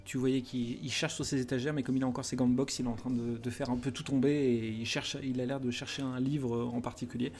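A man narrating a tabletop role-play game as game master, with a gravelly, creaky voice. He keeps stopping and restarting his sentences, and soft music plays behind him. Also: mid-range voice, level tone, quick pace, hardly any pauses. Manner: hesitant, many restarts.

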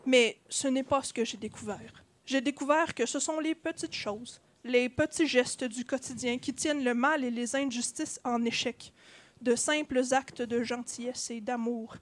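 A woman with a Québécois accent voicing a gentle, wise old male wizard speaking softly and earnestly. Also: high voice, steady tone, normal speed, lightly acted. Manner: soft, earnest, heartfelt.

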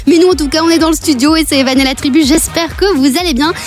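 Woman radio host from Belgium, high voice, playful, casual chat, soft music behind. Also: quick pace. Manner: playful, laughs often.

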